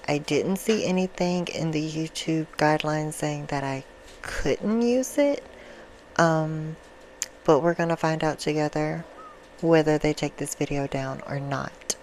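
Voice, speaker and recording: A woman's voice: low-pitched, measured pace, a little mellow, low-quality recording. A woman who makes ASMR videos, talking casually and directly to her viewers in an introduction. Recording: clear background noise.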